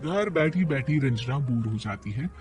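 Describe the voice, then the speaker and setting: A man narrating an animated story in a scripted storytelling style, with wry asides. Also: mid-range voice, a little slow, soft background music.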